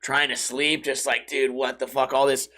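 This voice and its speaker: This young US podcast host is ill and has partly lost his voice, so he sounds hoarse and rough, with medium pitch, a flat, sharp delivery, and a moderate pace. He rambles casually across topics, full of slang and cursing.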